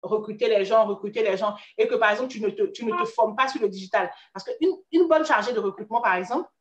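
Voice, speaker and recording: A woman's voice: mid-range voice, fast talker, roomy sound, dull audio. A woman with an Ivorian accent giving a chatty career-coaching talk, speaking directly to the listener with frequent restarts. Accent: Ivorian French. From Ivory Coast. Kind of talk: casual motivational talk.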